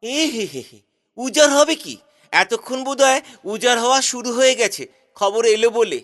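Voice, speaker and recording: A man's voice: very high-pitched, animated, normal speed, a bit bright. A man playing a scoffing royal courtier in a children's cartoon, with a sneering, mocking manner.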